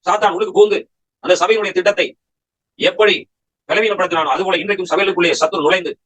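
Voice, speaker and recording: A man's voice: high voice, steady tone, quick pace, fairly bright tone, poor audio. A man preaching a Bible study sermon, firing rhetorical questions at his listeners and pressing his points with emphatic exhortation.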